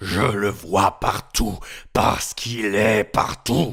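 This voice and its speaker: A man puts on a growling character voice at a fairly low pitch, speaking very slowly with fairly even intonation. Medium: read story.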